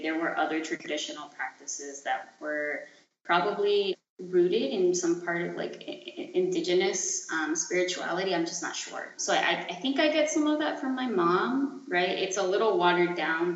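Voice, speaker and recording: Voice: medium pitch, fairly bright tone. A speaker in their late twenties from Chile, giving reflective, searching answers as an interview guest, often hesitant and trailing off. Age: late 20s. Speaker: podcast guest, artist and activist. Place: echoey room. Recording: dull, roomy lo-fi sound.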